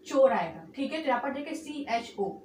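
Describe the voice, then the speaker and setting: A woman with a high voice teaches chemistry, switching between English and Hindi and checking in with her students after nearly every phrase. She stretches key terms slowly and hurries through the linking words. She sounds a little far from the mic in a roomy, echoing space with a faint hum behind her. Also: big pitch swings, a little mellow. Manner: mixes English and Hindi, repeats "ठीक है" and "alright" as check-ins. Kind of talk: whiteboard lesson. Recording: echoey room, far from mic.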